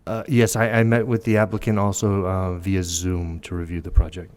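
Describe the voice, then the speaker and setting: A man's voice: sits low, little pitch movement, normal speed, darkish tone. A man chairing a city planning meeting, hesitant and apologetic, with many ums. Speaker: commission chair. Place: council chamber.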